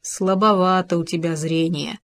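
A woman voicing a big, sorrowful male bear who speaks slowly and mournfully in a storybook reading. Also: fairly low pitch, fairly even intonation, no echo, lightly acted. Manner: slow, mournful and brooding.

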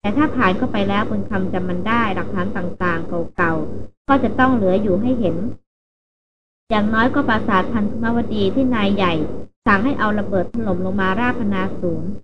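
A crafty old jungle tracker, unhurried and homespun, talks in an easy country way, as a woman narrator puts him on. The recording is muffled and carries a clear hiss behind the voice. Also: mid-range voice, lightly acted. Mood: earnest. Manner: slow, folksy, speaks of himself by name. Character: wily old male forest hunter.

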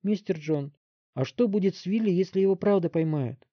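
A worried teenage boy, voiced by a male reader, higher than the narrator and plaintive. The reading is dry, close and slightly dull. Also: animated, fast talker, dry recording. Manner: plaintive, pleading.

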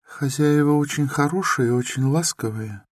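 A man's voice: on the high side, moderate pace, no echo, studio quality, pitched above the performer's own voice, natural voice. Sonya: a man doing a timid, meek young woman. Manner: soft, pleading, breathless in distress.

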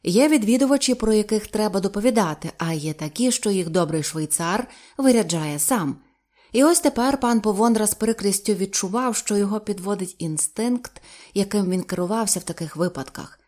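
A woman narrating an audiobook in a measured, expressive reading. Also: mid-range voice.

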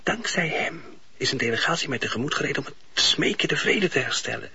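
A male actor playing a stern, anxious, devout middle-aged husband in a radio play, speaking in a measured, formal way. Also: medium pitch, expressive, creaky, bright, forceful tone, slightly rough, dry recording, full character voice. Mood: agitated. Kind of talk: Dutch radio play acting. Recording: dull, noisy old radio play tape.

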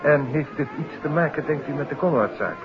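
A man's voice: on the high side, brisk, background noise, natural voice. An actor playing an affable but evasive man-about-town in a 1950s Dutch radio play, chatty and breezy. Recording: muffled old radio recording, music behind.

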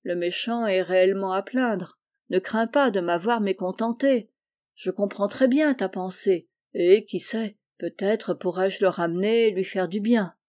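A woman voicing a kindly, jovial middle-aged man who teases gently in an audiobook reading. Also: medium pitch, unhurried, lightly acted. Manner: jovial, warm-hearted.

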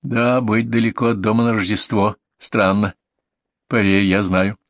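A man doing a gentle, kind young man. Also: fairly low pitch, level tone, unhurried, no room sound, lightly acted. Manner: soft and gentle.

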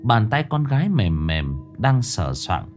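Lively male horror storyteller. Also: on the low side, faint music behind. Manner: lively, dramatic reading with slowed suspense.

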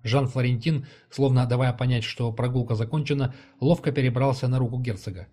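A man narrating a fantasy novel as an audiobook, in an even, measured reading style. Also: mid-range voice.

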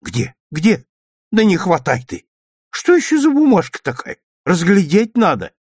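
A man's voice: a little high, expressive, darkish tone, dry recording, clean studio sound, voice pushed up, lightly acted. A man voicing a fussy, anxious old grandmother who grumbles and scolds in a storybook reading. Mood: fretful. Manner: grumbling, fretful, quick to scold.

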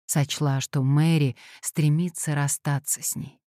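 A woman with a low, mellow voice reads a classic story aloud at a measured pace. Her delivery is even and composed, and the recording is close and dry. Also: no echo. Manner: measured, even literary reading. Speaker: audiobook reader. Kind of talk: scripted audiobook narration.

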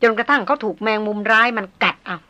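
A woman's voice: on the high side, quick pace, bright, forceful tone. A woman voicing an anxious, hot-tempered young noblewoman who presses with indignant questions.

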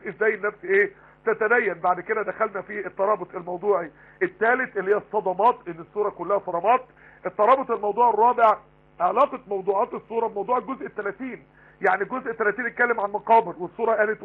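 A man with an Egyptian Arabic accent giving a live online Quran lesson, talking rapidly and emphatically with many rhetorical questions. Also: high-pitched, breathy edge. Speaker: Quran teacher. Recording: tinny phone-line broadcast.

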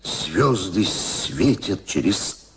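A man's voice: low voice, lively intonation, extremely slow, fairly bright tone, a little hiss or hum, exaggerated voice, rough recording. A man narrating a folk tale in rhythmic, theatrical verse as a radio-play storyteller.

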